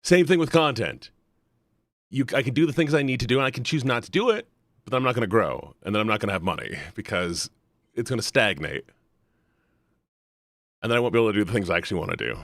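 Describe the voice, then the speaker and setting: A man's voice: mid-range voice, big pitch swings, fast, long pauses, a bit bright, no echo, studio quality. A man talking casually on a livestream, rambling earnestly and bluntly and repeating himself for emphasis. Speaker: live streamer.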